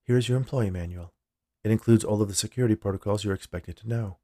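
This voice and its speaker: A man's voice: lowish voice, fast, warm tone, no room sound. A man reads as a female company lawyer in a short story. She is officious and cool, speaking in formal, unbending phrases, with a very dry, close sound. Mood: businesslike. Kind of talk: audio fiction character dialogue.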